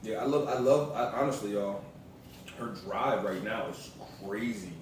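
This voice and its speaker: Casual American male vlog co-host, slangy storyteller, mid pitch, heavily reverberant room with clear background noise. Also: moderate pace. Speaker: vlog co-host, the vlogger's partner. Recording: roomy echo, distant mic, noisy background.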